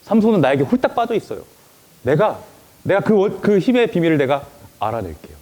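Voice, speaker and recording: A man's voice: on the high side, big pitch swings, a little fast, warm tone. A man putting on a coaxing young woman. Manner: wheedling, sulky.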